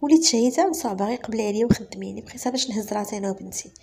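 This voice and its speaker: A meek young orphan answers quietly in Moroccan Arabic, humble and soft. A woman narrating puts her on, keeping the pace quick. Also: a little high, lively intonation, husky.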